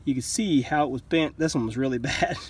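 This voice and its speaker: A man's voice: mid-range voice, a little fast, breathy edge. A man, a bit out of breath, casually showing the upgrades on his sawmill in a plainspoken, folksy way. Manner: plainspoken, folksy, explains as he goes. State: a little out of breath. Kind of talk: casual how-to vlog. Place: outdoors at a sawmill.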